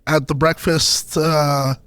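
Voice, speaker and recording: Podcast guest, male, from Sudan. Fairly high pitch, hesitant personal storytelling, close dry sound. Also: flat delivery, takes it slowly, a bit bright, smooth, no room sound.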